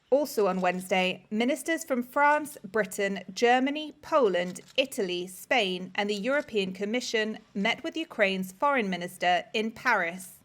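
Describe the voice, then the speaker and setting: A woman narrating a scripted news report in a measured, matter-of-fact way as a reporter. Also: medium pitch, a bit bright.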